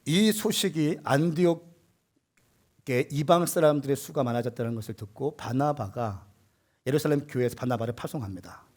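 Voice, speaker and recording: A male pastor preaching a sermon, animated and swelling to emphatic peaks, with a husky voice. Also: mid-range voice, normal speed.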